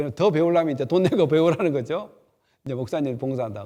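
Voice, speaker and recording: A dark, mellow tone in a strong Jeolla accent. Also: man. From Korea, Jeolla region. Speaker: pastor. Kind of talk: sermon. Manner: halting, many fillers.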